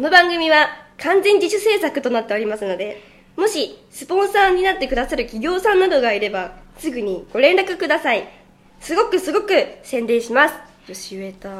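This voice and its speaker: A woman's high voice at a moderate pace, with very wide pitch swings and big swings in loudness. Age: young. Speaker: idol singer and radio personality. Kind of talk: casual solo radio talk; scripted show intro. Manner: halting; laughs often.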